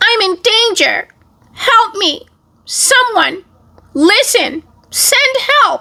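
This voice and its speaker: A woman uses a put-on character voice at an extremely high pitch. She talks at a very slow pace with long, frequent pauses. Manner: pleading, distressed.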